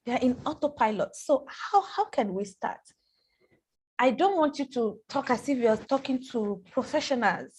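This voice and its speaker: A woman hosting a live online talk, speaking warmly and haltingly, often repeating words as she thinks. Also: sits high, expressive, husky. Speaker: host.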